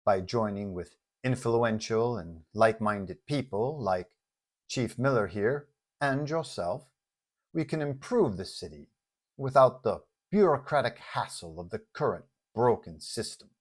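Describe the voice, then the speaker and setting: Man acting soft, measured female villain mastermind. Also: fairly low pitch, expressive. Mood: composed. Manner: measured, formal, soft-spoken. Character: composed, calculating female villain mastermind leading secret revolution. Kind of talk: superhero story character voice.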